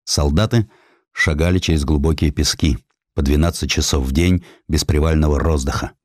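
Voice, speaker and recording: A man reading historical prose as an audiobook narrator, with measured, expressive and dramatic delivery. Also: very deep voice, dry recording, clean studio sound.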